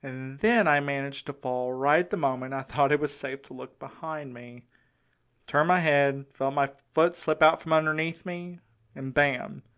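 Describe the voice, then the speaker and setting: A man's voice: on the high side, normal speed, a bit bright, clear, resonant tone. A man playing a weary, shaken young man in a fiction podcast, speaking in a wry, conversational, folksy way. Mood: shaken, recounting. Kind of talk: naturalistic fiction podcast acting.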